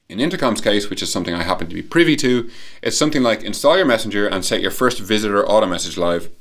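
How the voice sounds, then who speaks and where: A man presenting a prepared talk as a conference speaker, explaining points clearly with emphasis and rhetorical questions. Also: on the low side, fairly bright tone. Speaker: conference speaker, company employee.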